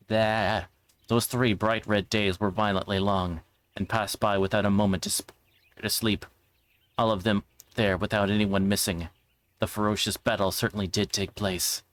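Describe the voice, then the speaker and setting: A man reading a visual novel aloud as a livestreamer, now and then stumbling and rereading. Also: on the low side. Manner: stumbles over words and rereads them.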